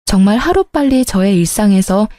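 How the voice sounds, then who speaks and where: A woman narrating a first-person drama story, sharp-tongued and dramatic. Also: medium pitch, expressive, moderate pace, no room sound.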